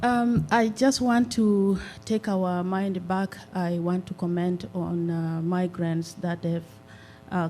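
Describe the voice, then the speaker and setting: A middle-aged woman from South Sudan, speaking at a town hall meeting on a handheld mic. She talks in an earnest, measured way, with many "uh" pauses. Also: lowish voice, warm tone. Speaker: community nonprofit representative. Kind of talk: town hall public comment. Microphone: handheld microphone.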